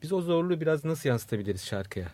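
A man's voice: a little high, sing-song, rapid-fire, darkish tone, slight background noise. A male musician reflecting on their music in a radio interview, with loose, rambling phrasing. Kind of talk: casual interview.

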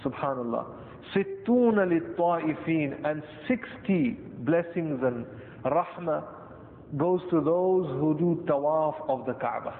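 Male Muslim preacher, South Asian accent, deliberate phrasing with repeats; reverberant, phone-thin sound with some rumble. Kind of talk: sermon. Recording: tinny band-limited echoey hall, rumbly noise.

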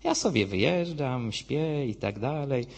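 A man's voice: medium pitch, expressive, unhurried, gravelly, breathy edge. A man giving a preaching talk who retells debates and acts out both sides of the argument. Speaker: Catholic lay speaker. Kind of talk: preaching talk with retold dialogues. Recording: long hall reverb.

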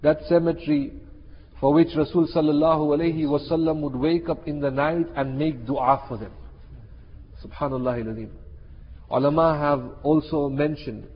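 Husky male preacher in a reverberant hall. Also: a little high, fairly even intonation, normal speed. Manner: emphatic, repeats key phrases, mixes in Arabic and Urdu phrases. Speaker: Muslim preacher. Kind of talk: sermon. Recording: muffled, reverberant hall sound.

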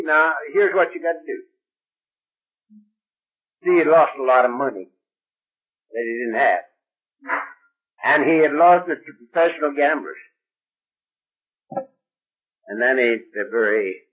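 Folksy older man, husky old recording. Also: a little high, measured pace, pauses often, lo-fi sound. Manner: folksy, plain-spoken, dramatic retelling. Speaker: recovery meeting speaker. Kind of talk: storytelling talk to an audience.

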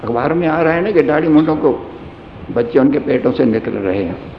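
A man's voice: medium pitch, expressive. Man, sermon storytelling, humorous anecdote, dull lo-fi sound, faint hiss. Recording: echoey hall, dull lo-fi sound.

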